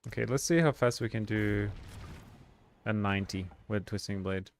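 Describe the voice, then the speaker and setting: Low gravelly man streaming. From Sweden. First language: Swedish. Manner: relaxed, halting, frequent uh and restarts. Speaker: game streamer. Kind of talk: live stream commentary while gaming.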